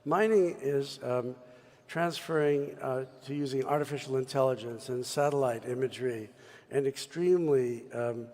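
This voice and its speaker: With a medium pitch, normal speed and a darkish tone, a US man on a mining-industry panel holds forth as if giving a speech. He is expansive and emphatic, and the large conference hall adds long reverb to the recording.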